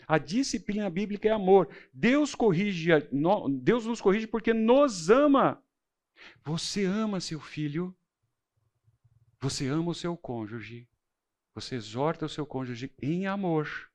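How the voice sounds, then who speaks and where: Emphatic high-voiced male Bible teacher. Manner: preacherly, emphatic, shifting between low intensity and loud stress; uses personal anecdotes and rhetorical questions. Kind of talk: teaching a recorded church class.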